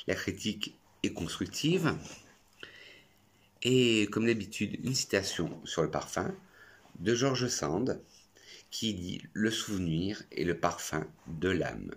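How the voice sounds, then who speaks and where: A French man with a low, husky voice reviews perfumes in a chatty, effusive YouTube vlog, often talking to himself.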